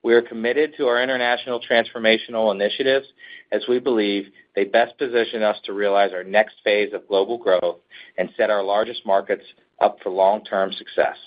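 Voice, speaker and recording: A man with a fairly low voice reads prepared executive remarks in a measured, formal manner. The sound is somewhat dull, as on a conference-call line. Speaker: company executive. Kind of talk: scripted earnings call remarks. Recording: muffled conference call audio.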